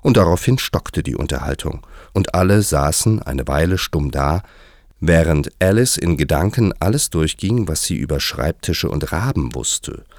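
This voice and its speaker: A man narrating a children's story in an expressive storytelling manner. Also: extremely low pitch, moderate pace, dry recording, studio quality. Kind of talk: audiobook reading.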